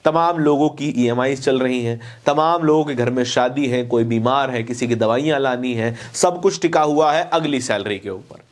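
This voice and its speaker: A man's voice: mid-range voice, normal speed, few pauses. A man presenting opinionated news commentary, speaking emphatically with repeated phrases and rhetorical questions.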